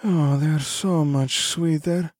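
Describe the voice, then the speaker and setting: A man's voice: a little high, steady tone, slow pace, darkish tone, no echo, studio quality, pitched above the performer's own voice. A man voicing a cocky male vampire club owner with a thick accent, smug and teasing. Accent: thick foreign accent.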